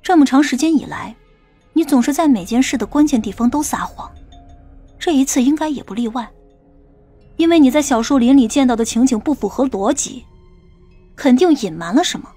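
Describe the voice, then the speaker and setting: A woman playing a stern, sharp-tongued female police captain in an audiobook, questioning a suspect in a cold, accusing manner. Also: high-pitched, lively intonation, fairly quick, pauses often, breathy edge. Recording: faint music bed under the voice.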